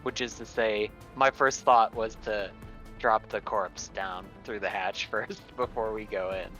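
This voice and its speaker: A man's voice: lowish voice, steady tone, a little slow, fairly bright tone, faint music behind. A man playing a tabletop game, talking casually and hesitantly as he thinks his move through, on a dull lo-fi recording.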